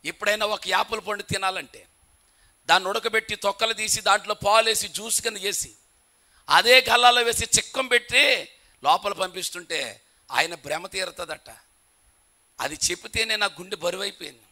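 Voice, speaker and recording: A man's voice: sits high, normal speed, long pauses, bright, forceful tone. A male pastor preaching a sermon in a dramatic storytelling manner.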